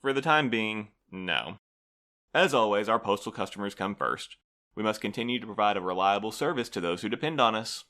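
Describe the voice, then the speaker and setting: An actor playing a prim, officious postal supervisor in an audio drama, formal, polite and unflappable. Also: male voice, on the low side, expressive, a little fast, sharp tone. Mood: officious, bland. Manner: formal, bureaucratic, smoothly evasive.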